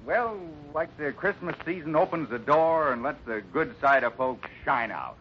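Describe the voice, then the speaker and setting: Steady, lively-toned cowboy leader played by a man. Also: fairly high pitch, normal speed, natural voice. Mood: fatherly. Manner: assured, plain-spoken. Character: steady, fatherly, hospitable cowboy ranch leader. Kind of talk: 1950s radio acting. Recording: muffled, noisy old radio recording.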